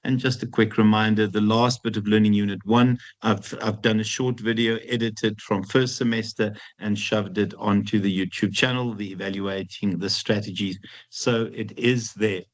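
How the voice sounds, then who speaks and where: A man's voice: fairly low pitch, steady tone, normal speed. Man with a heavy Afrikaans South African accent. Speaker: university lecturer. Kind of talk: informal lecture to a class.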